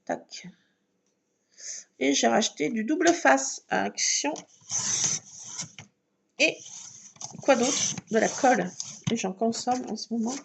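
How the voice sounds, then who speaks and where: Chatty woman crafting, gravelly voice. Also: on the high side, animated, slow pace, long pauses, a little hiss or hum. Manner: chatty, talks to herself while working, fillers like voilà. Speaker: scrapbooking vlogger. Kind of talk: casual crafting chat to viewers.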